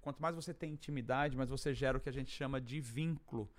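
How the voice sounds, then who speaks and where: A man from Brazil, a Christian podcast host, telling a story dramatically, acting out the dialogue and swinging from hushed to shouting. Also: mid-range voice, fast talker. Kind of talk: animated testimony storytelling.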